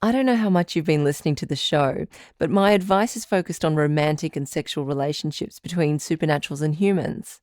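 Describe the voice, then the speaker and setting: A woman's voice: deep voice, brisk, few pauses, darkish tone, dry recording, studio quality, lightly acted. A woman playing a patient, reassuring doctor who hosts a radio advice show, articulate and composed, in a scripted audio drama. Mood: gentle, patient.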